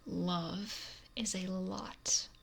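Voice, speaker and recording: A woman voicing a possessive, lonely, wealthy female mafia boss in a whispery, breathy, domineering ASMR roleplay, close to the microphone. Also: lowish voice, steady tone, extremely slow, pitched below the performer's own voice, exaggerated voice. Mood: bitter, lonely. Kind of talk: intimate ASMR roleplay monologue. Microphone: close binaural microphone. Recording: noisy close binaural whisper recording.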